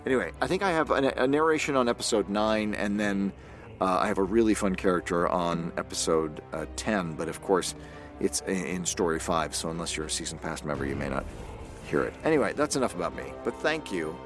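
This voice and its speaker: A man's voice: low-pitched, lively intonation, fairly quick, music in the background. A man who is a voice actor, a guest on a podcast, talking in an easygoing, rambling way. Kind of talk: casual podcast interview.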